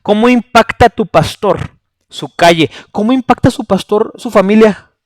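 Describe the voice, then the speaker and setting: Man, high-pitched, dry close sound; scornful preachy rant, salty language, host delivery. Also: moderate pace, no room sound. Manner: blunt, scornful, swears, repeats rhetorical "¿sí?". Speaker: channel host. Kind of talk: preachy critical monologue.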